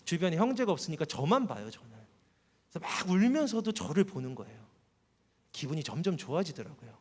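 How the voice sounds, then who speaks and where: Korean pastor preaching in a reverberant hall. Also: male voice, sing-song, brisk, slightly rough. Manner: storytelling, voice drops soft and low for quoted words. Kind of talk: sermon, personal testimony. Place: church hall. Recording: long church hall reverb.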